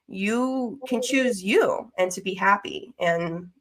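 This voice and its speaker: A woman in her thirties hosts a podcast with a medium-pitched voice. She talks informally and conversationally, with an enthusiastic, affirming manner toward her guest. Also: slow. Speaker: podcast host. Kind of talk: casual conversational interview.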